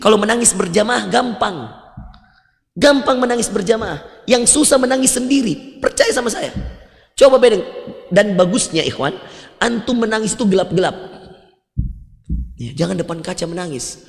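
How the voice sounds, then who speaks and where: Gravelly Makassar-accented man preaching in a mosque. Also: high voice, moderate pace, pauses often. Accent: Makassar Indonesian. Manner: lively storytelling with humor, quoting Arabic. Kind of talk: mosque study sermon. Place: large mosque hall. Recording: long mosque reverb.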